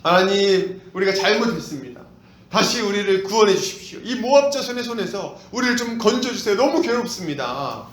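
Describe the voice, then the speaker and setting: A pastor voicing the repentant Israelites begging for rescue, in an echoey church hall. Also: male voice, high-pitched, expressive, fairly quick, fairly bright tone, pitched above the performer's own voice. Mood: pleading. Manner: pleading, desperate. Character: repentant Israelites, pleading crowd.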